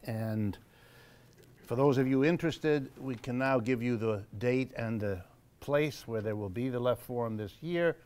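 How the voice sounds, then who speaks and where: A man hosting a live event in a church hall, making announcements to the audience in a measured, wry way with frequent pauses and fillers. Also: medium pitch, darkish tone. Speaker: host of a monthly lecture event.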